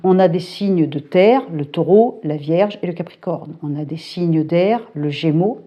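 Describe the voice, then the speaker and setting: A middle-aged woman talking casually to camera, colloquial and brisk, with lots of fillers and hesitations. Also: fairly low pitch, lo-fi sound. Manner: chatty, colloquial, frequent filler tags and hesitations; brisk and self-described hyperactive. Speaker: psychic YouTuber. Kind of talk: casual talking-head chat. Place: home.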